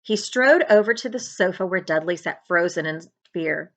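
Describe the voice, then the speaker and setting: A woman reading a children's book aloud as a librarian would, in an expressive narrating style. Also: on the low side, normal speed.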